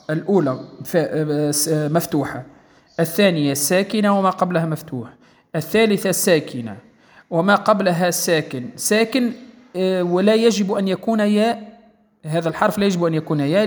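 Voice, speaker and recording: A male teacher giving a recitation lesson, explaining each rule patiently and often pausing to ask whether it is clear. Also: high voice, big-room sound. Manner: patient, repeats points and checks understanding.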